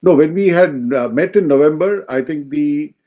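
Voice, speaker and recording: A man answering questions as a company executive on a business call, explaining in a halting way and often checking with a short tag question. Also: on the high side. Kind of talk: unscripted business Q&A on an earnings call. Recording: dull, lo-fi conference call audio.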